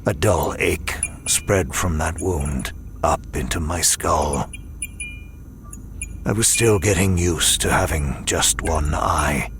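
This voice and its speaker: An actor playing a weary, wry imprisoned demon in an audio drama, speaking in a measured, dryly sardonic way. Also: male voice, sits low, a bit bright, a little hiss or hum. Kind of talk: first-person audio drama narration and dialogue.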